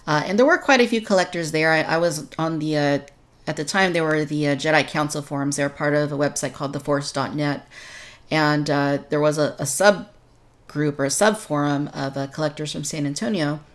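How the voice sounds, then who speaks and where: Podcast host: woman, low-pitched voice, conversational delivery, from Texas. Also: brisk. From Texas, United States.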